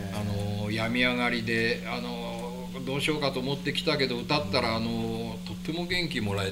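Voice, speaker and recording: A man at a moderate pace, music in the background. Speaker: guest. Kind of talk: interview answer. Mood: warm, cheerful. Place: studio. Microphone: studio mic.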